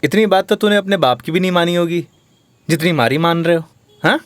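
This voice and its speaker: A man's voice: high-pitched, fairly quick, no room sound, close to an everyday voice. An actor playing a brash, bossy man, bullying a vendor.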